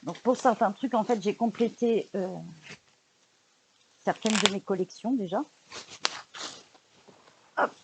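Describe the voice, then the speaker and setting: A woman vlogger with a medium-pitched voice chats casually at home while showing off a book haul. She speaks slowly and hesitantly, pausing often, with frequent fillers and restarts, and there's background noise in the indoor recording.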